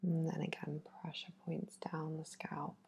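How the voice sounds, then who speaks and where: A woman whispering a soothing, unhurried ASMR massage narration in a hushed, breathy bedtime voice. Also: deep voice, level tone. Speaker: facial massage therapist.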